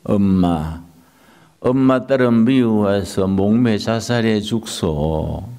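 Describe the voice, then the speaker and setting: A male preacher voicing a grieving young wife who cries out to her mother and then prays for her husband, in a slow sermon telling. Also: lowish voice, dark tone, clear, resonant tone, pitched below the performer's own voice. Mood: despairing. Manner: wailing lament. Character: despairing young Korean wife far from home.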